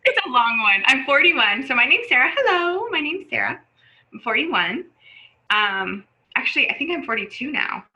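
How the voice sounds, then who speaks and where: A woman's voice: high-pitched, big pitch swings, moderate pace, sharp tone, slight background noise, low-quality recording. A woman in her forties talking as a podcast guest, chatty and rambling, with lots of fillers and restarts. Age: 40s. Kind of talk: casual conversation.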